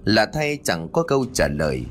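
A man narrating a spooky family story in an expressive, dramatic storytelling style. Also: lowish voice, moderate pace, a little hiss or hum. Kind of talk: scripted narration. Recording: faint background music.

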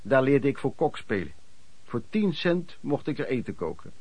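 A man's voice: medium pitch, very animated, normal speed, darkish tone. An actor playing a former traveling merchant recounting his lodging-house years in colloquial radio drama narration. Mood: reminiscing.

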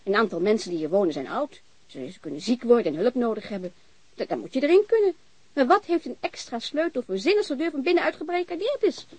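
An outspoken landlady in middle age, for a radio play. Her voice sits fairly high and moves in very lively swings, with a husky edge. She talks freely and bluntly, often breaking off and starting again. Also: fast, no echo. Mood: pensive. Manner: talkative, blunt, breaks off and restarts. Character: outspoken, chatty, frank middle-aged landlady. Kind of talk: naturalistic radio drama acting.

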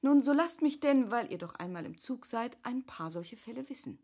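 Gracious period lady, husky voice. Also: fairly high pitch, lively intonation, normal speed, warm tone. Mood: thoughtful, engaged. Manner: polite, formal, thoughtful. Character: gracious, articulate, curious lady of Goethe's era. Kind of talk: classic German radio play acting.

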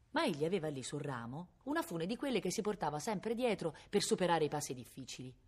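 A woman reading a novel aloud at a public library in an expressive, dramatic storytelling manner. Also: deep voice. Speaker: reader.

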